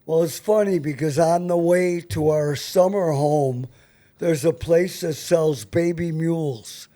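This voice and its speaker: A man's voice: a little high, a little slow, dark tone. An older man hosting a show, chatting casually and asking questions. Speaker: host. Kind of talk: casual chat.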